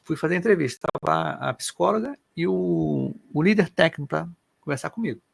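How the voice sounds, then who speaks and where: Middle-aged guy, gravelly voice, kinda high, telling his story all animated and loose. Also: fairly quick, no room sound. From Brazil. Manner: animated, colloquial, emotional storyteller. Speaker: co-host. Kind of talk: personal storytelling in casual chat.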